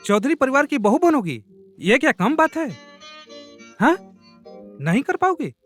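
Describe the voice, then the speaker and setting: A man's voice: very high voice, big pitch swings, measured pace, fairly bright tone, faint music behind, heavily acted. An actor dubbing a father urging his daughter on, coaxing and insistent. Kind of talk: dubbed film acting.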